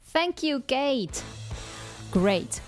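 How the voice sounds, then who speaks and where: A woman's voice: high voice, very animated, drawn-out words, faint music behind. A woman hosting an English-learning podcast, talking in an upbeat, teacherly way. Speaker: podcast host.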